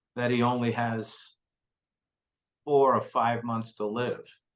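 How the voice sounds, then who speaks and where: Very slow, monotone, flat delivery in a New York accent. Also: man. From New York City (Brooklyn). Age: 70s. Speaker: near-death experiencer, former paramedic. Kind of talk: interview testimony.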